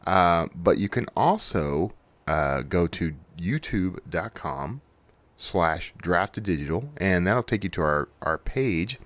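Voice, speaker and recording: A man with a deep, animated voice hosts a podcast alone, speaking slowly with a fairly bright tone and no echo. His casual chat rambles, interrupts itself, and keeps circling back.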